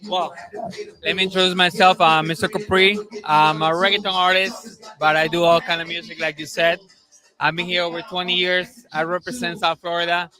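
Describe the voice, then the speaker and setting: A man's voice: high voice, flat delivery, moderate pace, music in the background, low-quality recording. A man from Peru with a Peruvian Spanish accent, a native Spanish speaker chatting casually as an artist in a live interview. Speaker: reggaeton artist being interviewed. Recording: busy crowd behind the voice. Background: crowd at a live showcase.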